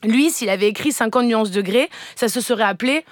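A woman performing a comic radio column in a studio, playful and theatrical, with quick jokes. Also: on the high side, dry recording. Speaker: resident comedian columnist. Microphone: studio microphone.

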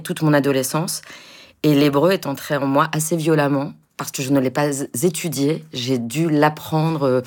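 A woman translator giving thoughtful, earnest interview answers with frequent pauses. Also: deep voice, a little mellow. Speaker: literary translator guest.

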